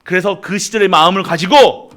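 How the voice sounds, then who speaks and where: A male pastor preaching a sermon, swinging between loud emphasis and quiet asides and often questioning the congregation. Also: high voice, a little fast.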